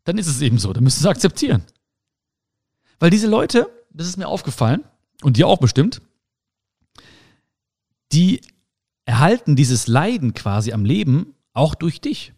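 A young man talks straight to his listener in a casual advice monologue, reflective and personal. His pitch swings up and down in a lively way as he acts out small imagined conversations. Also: moderate pace, pauses often, slightly rough. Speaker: podcast host.

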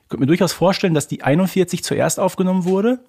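A man's voice: high-pitched, fast talker, darkish tone. A man co-hosting a podcast, explaining details in a casual, conversational way. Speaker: podcast co-host. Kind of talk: casual discussion of an audio drama series.

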